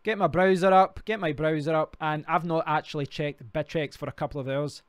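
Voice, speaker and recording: A man's voice: fairly high pitch, fairly even intonation, a little fast, smooth, no room sound, clean studio sound. Scottish man chatting on a live stream. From Scotland. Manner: rambling, talks to himself while clicking around. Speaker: crypto livestream host. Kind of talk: casual live stream chat.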